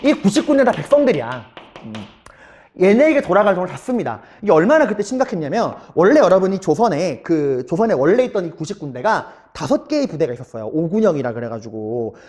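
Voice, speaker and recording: A man's voice: sits high, very animated, quick pace, darkish tone. A male middle school history teacher giving an online lecture, telling the story animatedly and talking straight to his students.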